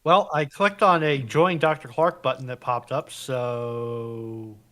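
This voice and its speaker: A man's voice: mid-range voice, steady tone, slow, a bit bright. A man co-hosting a casual livestream, speaking conversationally with a dry, joking manner. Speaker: livestream co-host.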